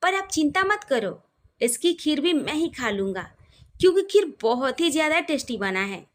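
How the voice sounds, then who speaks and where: A woman's voice: high voice, sing-song, moderate pace. A woman reading the part of a cheerful young brother-in-law who teases and pleads. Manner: teasing, pleading.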